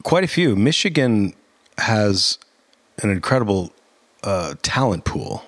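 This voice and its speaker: Low-voiced man, thoughtful rambling talk. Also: sing-song, measured pace, a bit bright, dry recording. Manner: thoughtful, rambling, self-correcting with fillers. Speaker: theater director. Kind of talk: conversational interview answers.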